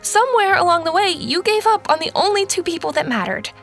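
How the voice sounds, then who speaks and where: Earnest high-voiced teenage girl. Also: animated, brisk, fairly bright tone, full character voice. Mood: indignant, urgent. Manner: earnest, youthful, pushy. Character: earnest, idealistic, outspoken sixteen-year-old girl artist. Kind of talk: audio drama acting. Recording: music under the voice.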